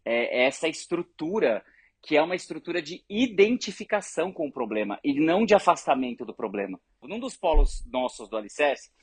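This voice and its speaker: Education leader, husky, dry close sound, makes the case through anecdotes. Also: medium pitch, normal speed, no echo. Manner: earnest, animated, argues through examples. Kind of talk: conversational storytelling.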